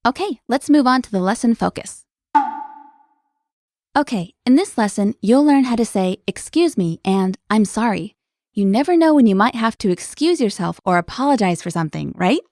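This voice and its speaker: A woman's voice: on the high side, animated, moderate pace, darkish tone, no room sound, studio quality. Upbeat woman hosting a language lesson. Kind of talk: scripted lesson dialogue.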